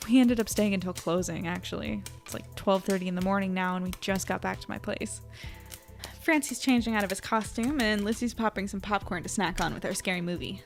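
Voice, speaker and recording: A woman's voice: mid-range voice, close to an everyday voice. A woman playing a chatty, upbeat young woman telling about her night in an audio drama. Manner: chatty, conversational. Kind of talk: first-person audio drama narration and dialogue.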